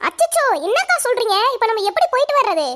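A woman's squeaky, extremely high cartoonish character voice at a fairly quick pace. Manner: chatty, eager.

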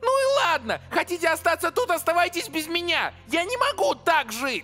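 A cartoonish character voice talks at a moderate pace. Clear music plays in the background.

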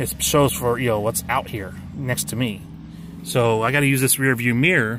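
The sound is dry with no echo. A man speaks at a moderate pace with ordinary pitch variation. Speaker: driver demonstrating mirror. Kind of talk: casual tutorial. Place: car. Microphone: phone near.

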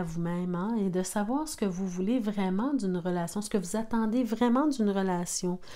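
A woman with a dark, mellow tone speaks at a moderate pace with lively intonation against a quiet background. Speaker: tarot reader. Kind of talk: tarot card reading; tarot reading addressed to viewers. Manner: halting; warm. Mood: calm, caring advice. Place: home room. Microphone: phone near.

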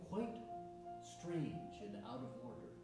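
A man at a moderate pace, with clear music in the background and audible room echo. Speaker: stage actor. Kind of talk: theatrical monologue. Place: stage. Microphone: camera far.

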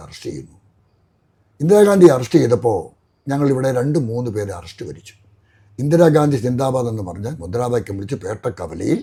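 His medium-pitched voice has a dark, mellow tone and is somewhat breathy. The man's pitch swings very widely. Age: 70s. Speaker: local Congress politician. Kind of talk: interview.

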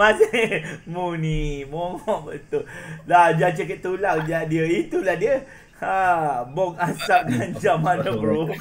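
Speaking at a very slow pace, a man with a high pitch uses ordinary pitch variation against noticeable background noise. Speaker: live streamer. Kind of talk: casual chat. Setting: video call. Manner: animated. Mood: joking, playful. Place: home room.

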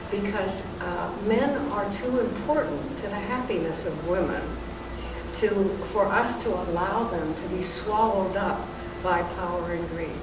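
A woman talks fairly slowly in a room with audible echo, with noticeable noise in the background. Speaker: community activist. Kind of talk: workshop talk. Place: meeting room. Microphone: camera far.

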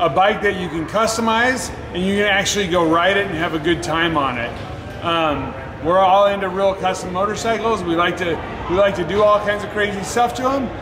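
Fairly quick, high-pitched speech from a man with ordinary pitch variation, against noticeable background noise. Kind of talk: interview answer. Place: workshop.

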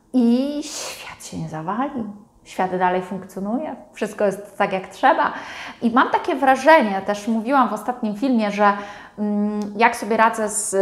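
Speech comes at a fairly slow pace with ordinary pitch variation. Audible room echo surrounds it. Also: woman. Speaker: dietitian vlogger. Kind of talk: casual vlog chat. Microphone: lapel.

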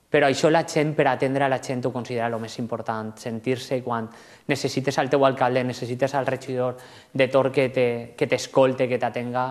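Here a man talks at a moderate pace. Behind him, the background stays quiet. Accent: Valencian. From Valencia region, Spain. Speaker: mayor; interviewee. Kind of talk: interview. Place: studio.

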